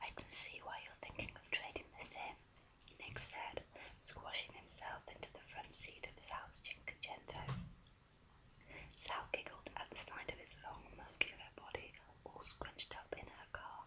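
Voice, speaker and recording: A woman whispers at a moderate pace with big swings in loudness over noticeable background noise. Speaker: ASMR artist, author reading from her own book. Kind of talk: ASMR whisper reading of a novel. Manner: whispered, soft, relaxing.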